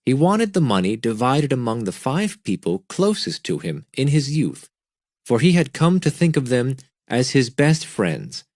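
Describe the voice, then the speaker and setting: A man voicing a pale, grave priest on a secret mission, speaking in a calm, measured way, recorded dry and close. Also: mid-range voice, dry recording, voice pushed up. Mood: solemn.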